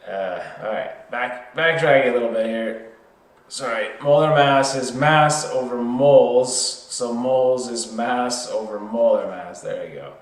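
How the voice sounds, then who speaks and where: A man with a mid-pitched voice gives an informal lesson at a slow pace. He thinks aloud as he explains each step, correcting himself as needed. The sound is roomy and echoey. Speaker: tutor. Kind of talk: worked chemistry problem lesson, explained step by step.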